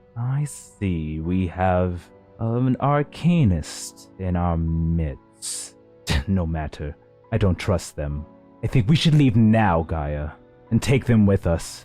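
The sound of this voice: A man's put-on character voice, growling and very deep, with very wide pitch swings, a very slow pace, and faint background music.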